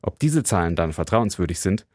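A man reading a scripted radio news report in an even, formal manner, also voicing translations of interviewees. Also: sits low, fairly quick, no room sound, studio quality. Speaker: radio correspondent.

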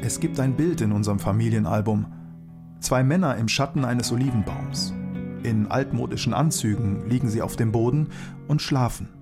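A man from Germany narrating a radio documentary in a calm, reflective way. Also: mid-range voice, normal speed. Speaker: author and narrator. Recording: narration over guitar music.

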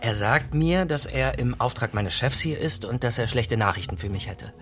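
A man's voice: medium pitch, lively intonation, normal speed, a bit bright, natural voice. A man playing an indignant fired journalist. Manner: insistent, rising to indignation. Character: agitated young male journalist, indignant. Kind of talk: radio drama acting.

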